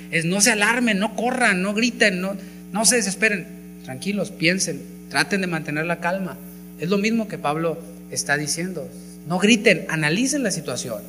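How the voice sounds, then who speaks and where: A man, a pastor preaching a lively sermon in church, often acting out gossiping members in quick asides. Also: on the high side. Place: church hall. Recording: live church recording with mains hum.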